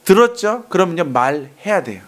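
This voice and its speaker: A male pastor preaching a sermon to young adults, animated, acting out angry outbursts and asking the congregation to repeat after him. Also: sits high, normal speed. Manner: animated, acts out angry outbursts and calls for repetition.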